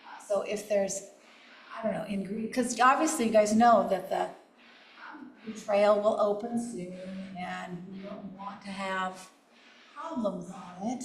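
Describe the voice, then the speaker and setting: A woman chairing a committee meeting over a video call. She talks quietly and haltingly, with many fillers. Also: mid-range voice. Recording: echoey room, faint noise.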